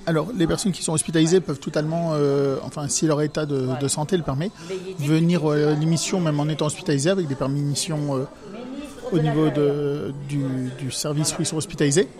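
A man's voice: fairly high pitch, steady tone, fairly quick, music in the background. A man answering interview questions in a hesitant way.

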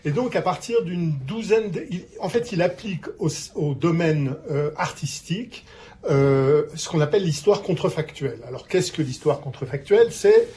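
A man presenting a book on the radio, explaining calmly with fillers. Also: a little high, normal speed. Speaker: book commentator.

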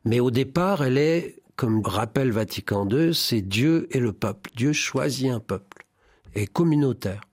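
A man's voice: medium pitch, expressive, unhurried, no echo, studio quality. A man guest in a spiritual radio interview, speaking in a fervent, preacherly way and often quoting scripture. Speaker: priest and songwriter, interview guest.

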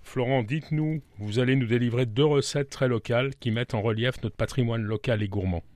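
A man presenting a radio programme, reading a scripted introduction and then putting questions to a guest in a measured, clear way. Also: medium pitch, music in the background. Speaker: radio host.

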